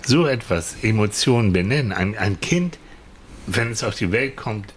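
A man co-hosting a podcast, talking in a thoughtful, halting way and repeating words as he searches for them. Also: on the low side, expressive, slight background noise. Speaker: podcast co-host. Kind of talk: casual conversational chat.

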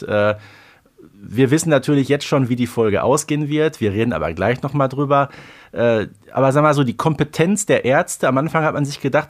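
Chatty male podcast host, mid-pitched. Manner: chatty, frequent fillers. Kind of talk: casual chat about a radio play.

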